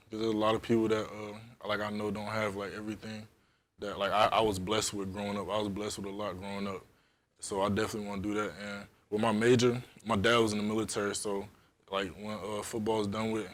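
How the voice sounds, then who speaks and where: A young man answering interview questions on a sports show, his voice sitting low and easy. He stays polite and laid-back, with plenty of "like" in his answers. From Japan. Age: young adult. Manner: relaxed, polite, lots of "like" fillers. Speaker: college football player, guest.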